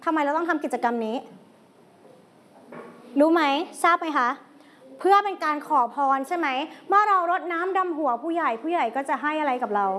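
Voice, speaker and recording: A woman's voice: extremely high pitch, lively intonation, moderate pace, fairly bright tone. A woman with a Thai accent teaching English vocabulary, over-enunciating words as she prompts her pupils. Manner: coaxing question-and-answer prompting. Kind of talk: classroom English vocabulary lesson.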